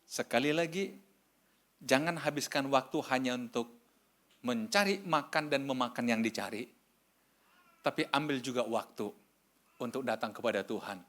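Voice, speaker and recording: Bright-voiced preacher man, emphatic. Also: mid-range voice, moderate pace, long pauses. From Indonesia. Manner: swings from loud, emphatic preaching to quiet, tearful confession. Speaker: pastor. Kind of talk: sermon. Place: church hall.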